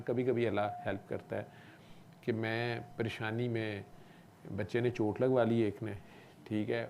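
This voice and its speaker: A man telling a long personal story in a relaxed, conversational way. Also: medium pitch, slight background noise. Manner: relaxed conversational, often asks "okay?". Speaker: doctor. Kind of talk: casual storytelling talk.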